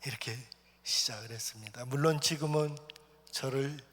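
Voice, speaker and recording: A man preaching a personal testimony in church, swinging from loud, stirring lines to hushed whispers. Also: mid-range voice, moderate pace. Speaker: missionary preacher. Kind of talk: sermon testimony. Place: church sanctuary. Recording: long church hall reverb.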